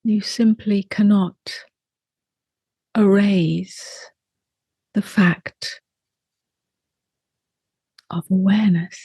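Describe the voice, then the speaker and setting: A woman leading a guided meditation as a teacher, speaking softly in short unhurried phrases with long pauses, her voice gentle and breathy. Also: medium pitch, fairly even intonation, no echo.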